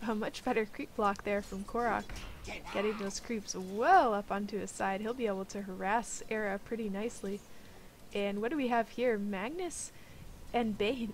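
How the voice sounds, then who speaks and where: Music plays behind a woman whose fairly high voice moves at a moderate pace with ordinary pitch variation. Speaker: esports caster. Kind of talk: live esports game commentary.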